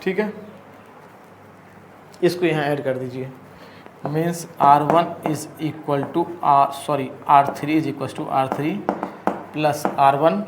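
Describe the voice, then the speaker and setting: A high-pitched man lectures through a math problem, checking in with the class through constant rhetorical questions. His tone stays casual and friendly. The echoey room adds a faint hum of ambience behind him. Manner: explains step by step, asking the class rhetorical questions; casual and chatty, calls students brother. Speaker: math teacher. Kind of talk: blackboard lecture.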